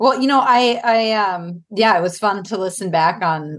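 Someone with an Upper Midwest accent talks at a moderate pace. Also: woman. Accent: Upper Midwest (Minnesota). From Minnesota, Duluth. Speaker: ice fishing angler and outdoor gear model. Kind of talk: casual interview.

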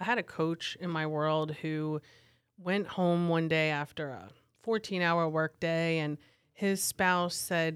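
A woman in a normal speaking voice, fairly low in pitch, talks at a fairly slow pace on a very clean recording with a silent background. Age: 40s. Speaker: real estate broker and trainer. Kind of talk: podcast interview.

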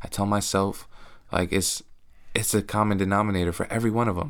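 A man with a plain, everyday voice speaks at a fairly low pitch with fairly even intonation and a fairly quick pace. The recording is very clean, with a silent background. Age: 20s. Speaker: personal trainer. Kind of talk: casual interview chat.

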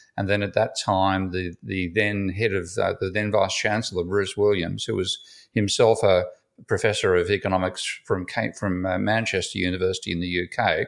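A man with an Australian accent speaks at a fairly low pitch in a flat, monotone way, captured in a very clean recording with a silent background. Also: moderate pace. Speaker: economics professor and author. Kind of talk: interview.

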